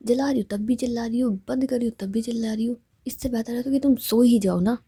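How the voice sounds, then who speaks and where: A woman voicing a stubborn young woman in love who keeps apologizing, speaking in a soft half-whisper. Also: a little high, quick pace, husky, no echo. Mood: pleading.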